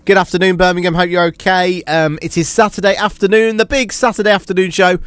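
High-voiced British male radio host, nasal with a cold. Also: little pitch movement, fast, fairly bright tone, smooth, no room sound. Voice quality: blocked-nose, nasal sound. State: congested with a cold. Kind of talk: casual live radio show chat. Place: radio studio.

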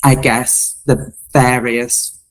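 A woman's voice: rumbling low, flat delivery, drawn-out words. A woman speaking as an interview guest, reflecting in an earnest, thoughtful way. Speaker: interview guest, comedy performer.

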